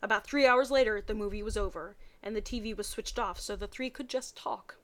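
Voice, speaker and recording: A woman's voice: mid-range voice, fairly quick. A woman reading a story aloud dramatically, breaking off for playful, mocking asides. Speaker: reader of fan fiction.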